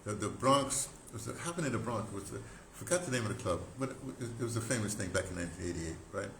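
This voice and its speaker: An older American man telling stories casually as a talk host, in an excitable, rambling way with broken, repeated phrases. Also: on the low side, fast talker. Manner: excitable, animated storyteller with broken, repetitive phrasing. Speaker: radio drama producer and talk host. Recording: roomy echo, clear background noise.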